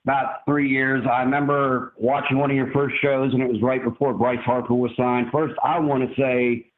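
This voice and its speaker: A man's voice: mid-range voice, level tone, moderate pace. Man talking over a tinny phone line. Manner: rambling, candid, with fillers. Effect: heard over a phone line. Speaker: caller to a live fan show. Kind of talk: casual call-in chat.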